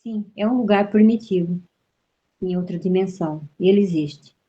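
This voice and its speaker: Middle-aged Brazilian woman, interview guest, lively storyteller, mellow tone, muffled lo-fi sound. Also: medium pitch, normal speed. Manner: vivid storytelling, acts out quoted voices, repeats words.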